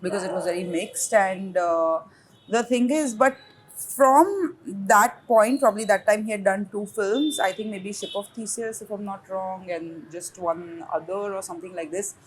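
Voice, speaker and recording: A woman's voice: medium pitch, normal speed, slight background noise, rough recording. A woman filmmaker with an Indian English accent telling a story in a casual roundtable chat, laughing and slipping into Hindi. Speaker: independent filmmaker.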